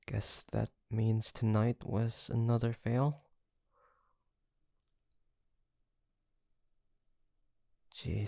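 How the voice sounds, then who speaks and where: A man's voice: on the low side, gravelly, darkish tone, dry recording, clean studio sound, exaggerated voice. A man playing a sweet young male roommate and best friend in an intimate roleplay audio, teasing and chatty with a playful storytelling streak. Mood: teasing, soft. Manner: teasing, chuckling, mock-grandiose storyteller.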